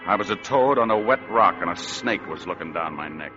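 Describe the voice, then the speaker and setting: An actor playing a wisecracking, weary private detective who narrates, in 1940s radio style. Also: male voice, deep voice, lively intonation, brisk, over music. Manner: dry, sardonic wisecracks. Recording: dull old radio recording.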